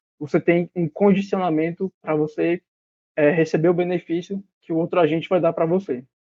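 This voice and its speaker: A man talks at a moderate pace with a high pitch. His intonation is monotone and flat. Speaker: law tutor. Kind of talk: online review lecture.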